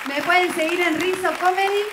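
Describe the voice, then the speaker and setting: A woman comedian giving a loud, projected stage introduction as a show presenter. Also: extremely high pitch, fairly even intonation, brisk, a crowd in the background, noisy background. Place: theater stage. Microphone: handheld microphone. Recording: echoey stage sound from far off.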